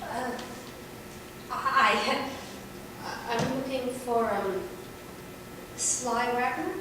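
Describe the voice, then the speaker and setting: A woman acting a nervous, earnest young female journalist in a script read aloud, speaking in a halting, hesitant way. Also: a little high. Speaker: actor at a table read. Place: echoey room at a table read. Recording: distant mic in echoey, noisy room.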